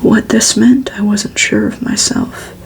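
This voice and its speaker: A woman reading a book aloud as ASMR in a hushed, breathy whisper with crackly edges. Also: medium pitch. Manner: slow, hushed, even delivery. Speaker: ASMR reader and host.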